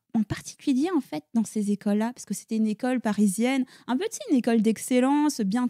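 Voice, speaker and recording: A woman's fairly high voice with a dark, mellow tone, ordinary pitch variation and a fairly quick pace, dry and close with no echo on a very clean recording with a silent background. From France, Paris suburbs. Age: 30s. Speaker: clinical psychologist. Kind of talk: interview. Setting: therapist's office. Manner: casual.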